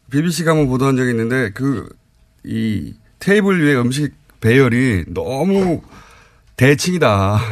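A man's voice: medium pitch, dry recording. A man hosting a live radio current-affairs show, talking in an informal, opinionated way with rhetorical questions.

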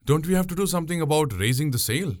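A man's voice: on the high side, expressive, fast talker, no room sound, clean studio sound, voice pushed up, close to an everyday voice. A man voicing a boastful young warrior who talks grandly and blusters. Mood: blustering.

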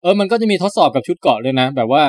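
A podcast host chatting casually, animated storytelling with crude slang. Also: male voice, on the high side, very fast, no echo, studio quality. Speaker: podcast host reviewing shows. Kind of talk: casual chat.

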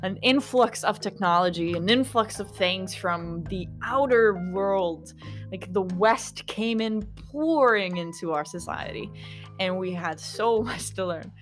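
A woman's voice: medium pitch, unhurried, faint music behind. A woman in her thirties from Kosovo with an American-influenced English accent, hosting a podcast in a rambling, chatty monologue full of asides to listeners. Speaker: podcast host. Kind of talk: casual reflective monologue.

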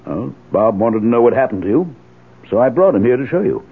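A man's voice: mid-range voice, very animated, brisk, gravelly, slightly rough, heavily acted. An actor with an American accent playing an anxious, hesitant middle-aged father in a 1970s radio drama. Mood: uneasy. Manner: hesitant, uneasy. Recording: tinny, phone-like old radio broadcast.

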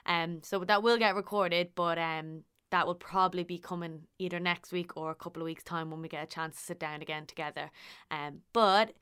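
A woman's voice: on the low side, fairly even intonation, brisk, fairly bright tone, smooth. A woman of about thirty, hosting a podcast in a casual, rambling, enthusiastic way. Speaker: podcast host.

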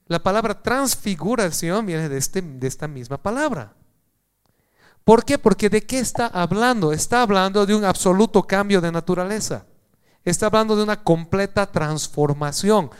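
A man preaching a sermon to a congregation, animated and joking, swinging from loud calls to hushed lines. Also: high-pitched, clear, resonant tone.

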